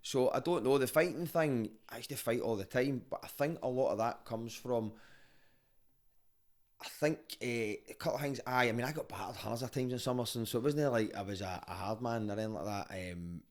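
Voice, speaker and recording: On a casual podcast, a man with a Glaswegian street Scottish accent chats and tells stories in a candid, sweary, conversational style. His voice is medium in pitch and brisk.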